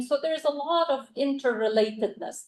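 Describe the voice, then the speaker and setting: A woman with an Arabic accent speaks at a fairly slow pace. Her tone is dark and mellow, with ordinary pitch variation. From Lebanon. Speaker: education researcher. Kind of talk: conference presentation.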